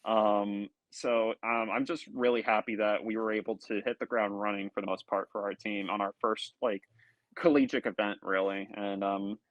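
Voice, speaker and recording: Young male student player, lowish voice, dry sound, halting answers with lots of ums. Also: steady tone, no room sound, lo-fi sound. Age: young adult. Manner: hesitant, many likes and ums. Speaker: college esports team player. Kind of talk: casual interview answers. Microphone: earbuds or headset on a call.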